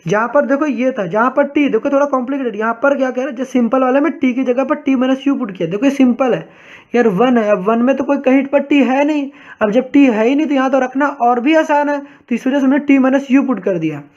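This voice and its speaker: A man's voice: very high-pitched, brisk, darkish tone. Guy doing a math lecture, chatty, keeps going "got it?", muffled lo-fi audio. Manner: chatty, keeps asking if you understood, calls the viewer brother. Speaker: math teacher. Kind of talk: recorded online math lecture. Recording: dull lo-fi recording.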